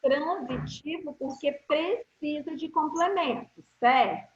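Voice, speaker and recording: A Brazilian woman teaching grammar to schoolchildren in an online class. Her fairly high voice moves at a very slow, deliberate pace, and she keeps checking whether the class follows. The sound is roomy and a little dull, as over a video call. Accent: Brazilian Portuguese. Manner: slow, deliberate explaining with frequent check-in questions.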